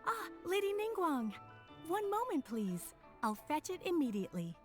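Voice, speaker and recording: A woman's voice: extremely high pitch, very animated, normal speed, music in the background. A woman voicing a courteous, deferential jewelry shop assistant in a video game, polite and formal.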